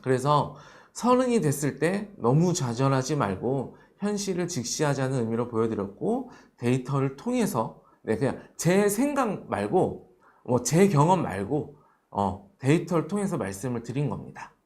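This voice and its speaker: Male host, thirties, explaining money to young adults; earnest, repetitive, lively delivery. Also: mid-range voice, normal speed. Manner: earnest, repeats points with "ne" fillers. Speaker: host of an economics show.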